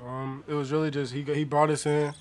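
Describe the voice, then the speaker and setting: Hesitant young man with a flat tone. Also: fairly high pitch, a little fast, slight background noise. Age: young adult. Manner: soft-spoken, many hesitant ums. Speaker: college basketball player. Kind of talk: postgame press conference answers. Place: press room, seated at table. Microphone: table mic on stand.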